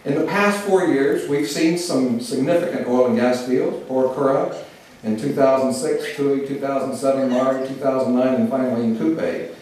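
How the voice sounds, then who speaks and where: A middle-aged man from Oklahoma, giving a measured public speech as a government speaker on oil and gas, often pausing on "uh". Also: mid-range voice, a little mellow, slight background noise. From Oklahoma, USA. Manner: measured, many "uh" fillers. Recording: roomy hall, distant mic.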